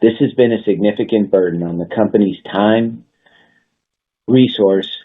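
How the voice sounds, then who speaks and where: A man speaking as a company executive, delivering measured, businesslike prepared remarks on a conference call line. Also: deep voice, breathy edge, phone-quality sound.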